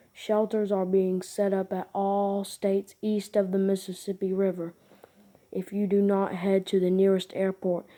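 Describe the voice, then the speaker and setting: A woman reading a scripted emergency broadcast announcement in a formal, deliberate monotone. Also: medium pitch.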